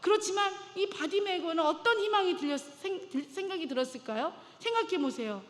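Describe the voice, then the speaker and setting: A woman delivers a sermon with a high voice, retelling a Bible story with dramatic flair. Her speech rings with the long reverb of a church sanctuary. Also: animated, fairly quick. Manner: dramatic, acts out biblical voices. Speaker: preacher.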